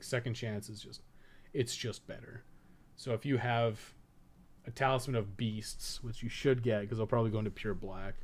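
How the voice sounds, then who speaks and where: Male game streamer, mid-range voice; casual, rambling, foul-mouthed and jokey guide talk. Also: medium pitch. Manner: rambling, thinking aloud; profane, slangy, joking. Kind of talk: casual live-stream gaming commentary.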